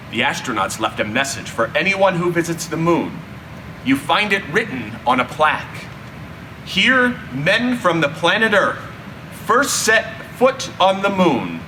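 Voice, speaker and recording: A man narrating a children's story expressively, with dramatic, drawn-out emphasis and deliberate pauses. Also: a little high, sharp tone. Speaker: storyteller reading a children's book. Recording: distant mic, faint background hum.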